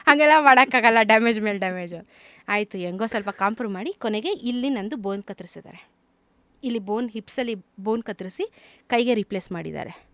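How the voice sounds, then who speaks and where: A woman moto vlogger, a guest in an interview, candidly recounting events in casual, animated conversation with vivid detail. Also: medium pitch, no room sound.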